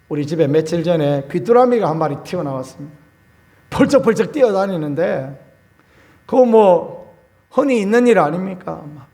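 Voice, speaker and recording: A man, a pastor, preaching a Sunday sermon in a homely, colloquial way, telling stories and acting out scenes with sudden loud bursts. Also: high voice, vocal fry.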